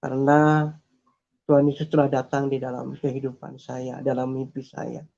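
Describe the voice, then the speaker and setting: A man's voice: mid-range voice, completely flat delivery, normal speed, creaky, dark tone. A man telling his personal faith testimony in an earnest, repetitive way, with frequent hesitations. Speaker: testimony speaker. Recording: dull lo-fi recording.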